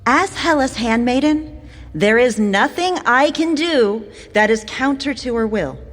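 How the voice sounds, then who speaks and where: Imperious underworld handmaiden, slow, echoing. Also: female voice, on the high side, animated. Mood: scornful. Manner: formal, haughty, disdainful. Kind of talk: audio drama acting.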